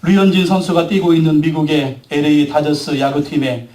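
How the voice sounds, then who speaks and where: A man's voice: a little high, little pitch movement, fairly quick, darkish tone. A man preaching a sermon as a pastor, acting out the cries and voices from the stories he tells. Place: church sanctuary. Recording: echoey church, mic from a distance.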